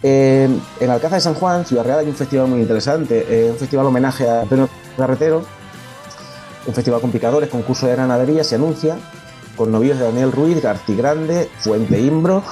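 A man with a warm, relaxed voice reads out a long list of events and names on a talk show. He pauses on filler sounds between items. Faint music plays underneath. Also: mid-range voice. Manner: lists names steadily with hesitations. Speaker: bullfighting agenda presenter.

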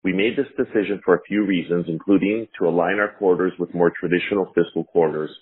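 A man's voice: low voice, steady tone, fast, husky. A man presenting financial results as a company executive on an earnings call, in a formal, polite, scripted delivery. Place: corporate earnings conference call. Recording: muffled, phone-like conference call line.

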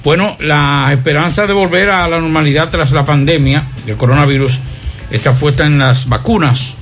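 A Dominican man hosting a radio show, giving news commentary off the cuff. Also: fairly high pitch. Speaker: radio host.

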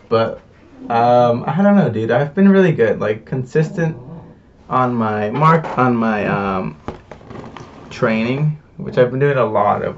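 A man's voice: on the low side, far from the mic, lo-fi sound, slight background noise. A young man talking casually to the camera in a rambling, laid-back way, full of fillers and slang. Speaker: vlogger. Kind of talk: casual confessional chat.

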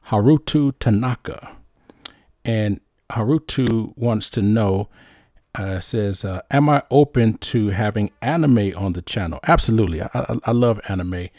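Male host, low voice, upbeat casual chat, dry close sound. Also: darkish tone, dry recording. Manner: upbeat, many restarts and fillers. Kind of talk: casual show chat, reading viewer questions.

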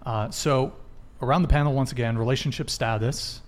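A man's voice: mid-range voice, fairly even intonation, a little fast. A man hosting a live dating talk show, joking and teasing his panel guests, talking in loose, rambling sentences. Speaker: podcast host. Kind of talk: casual live-stream chat.

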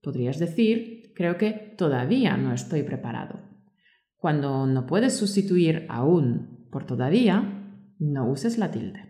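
A woman co-hosting a scripted teaching podcast. She reads example sentences in a clear, friendly teaching tone. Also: low-pitched, very animated, unhurried, warm tone. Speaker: podcast co-host and Spanish teacher. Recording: roomy echo.

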